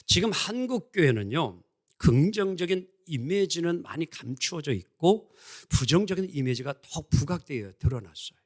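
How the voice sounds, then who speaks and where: A man preaching a Sunday sermon as pastor, delivering it in a lively way and playfully imitating regional dialects. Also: on the high side, gravelly. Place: church sanctuary.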